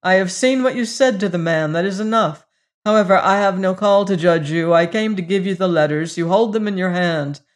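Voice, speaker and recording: A woman's voice: fairly low pitch, brisk, close to an everyday voice. A woman voicing a proud, noble young gypsy woman from a pawnshop in an audiobook story, speaking in a grave, curt, self-controlled way.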